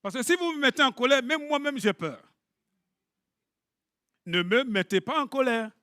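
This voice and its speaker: A high-voiced, bright middle-aged man preaches, dry and close to the mic. He is animated and playful, jumping from loud bursts to near whispers. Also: moderate pace, dry recording. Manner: animated, swings from loud to hushed, jokes with the congregation. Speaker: pastor. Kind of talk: lively sermon.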